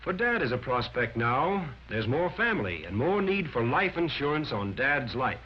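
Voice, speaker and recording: A man's voice: medium pitch, sing-song, normal speed, slightly rough. A man narrating a 1940s sales training film, lecturing emphatically and counting off his points one by one. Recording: dull lo-fi 1940s film soundtrack.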